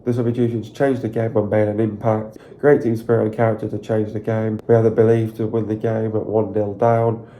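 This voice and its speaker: A man with a croaky, sore voice, talking at length about his team's win in a loose, repetitive, excited way on his video channel. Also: lowish voice, a little fast, a little hiss or hum. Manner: repetitive, filler-heavy, excited rambling. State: hoarse, sore throat. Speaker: football fan channel host. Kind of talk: casual solo video commentary.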